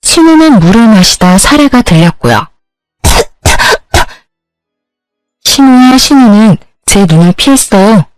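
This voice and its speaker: A woman's voice: fairly high pitch, animated, normal speed, few pauses, a little mellow, no room sound, faint music behind, low-quality recording. A young woman narrating her own story in a confiding, aggrieved way.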